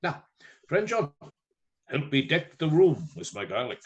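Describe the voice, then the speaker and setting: Older Germanic professor, slightly high voice, grave, commanding, fatherly, theatrical radio drama. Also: big pitch swings, measured pace. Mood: gently reassuring. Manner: stilted foreign phrasing, commanding yet fatherly.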